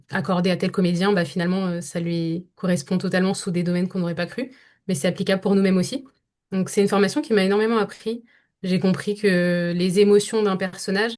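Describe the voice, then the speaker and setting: Low-voiced French woman, hesitant interview talk. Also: a little mellow. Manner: thoughtful, many hesitations and restarts. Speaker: voice-over actress, guest. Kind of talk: podcast interview conversation.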